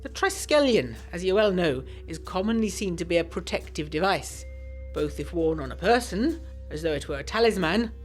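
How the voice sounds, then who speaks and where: A woman voicing a courteous, faintly sinister male doctor with formal, measured phrasing in a gothic audio drama. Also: lowish voice, sing-song, faint music behind. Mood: courteous, probing.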